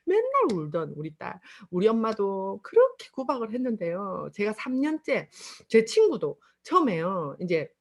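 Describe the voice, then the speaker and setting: A middle-aged woman with a Busan Gyeongsang accent, giving an animated testimonial speech to an audience and acting out the voices in her stories. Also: medium pitch, normal speed, hardly any pauses. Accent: Busan Gyeongsang dialect. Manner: animated storytelling with acted-out quotes. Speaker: motivational speaker at a sales seminar.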